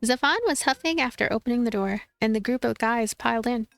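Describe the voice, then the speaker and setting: A woman reading a visual novel aloud as a let's play narrator, in expressive, animated storytelling. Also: on the high side, a little fast, creaky, no room sound, soft background music. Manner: animated storytelling, acts out dialogue.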